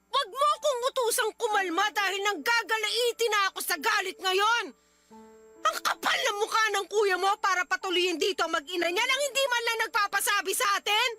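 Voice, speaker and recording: A woman's voice: extremely high pitch, quick pace, hardly any pauses, bright, forceful tone, faint music behind. A woman playing a young wife in a radio drama, heated and scolding. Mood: angry. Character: angry young wife, sharp and confrontational.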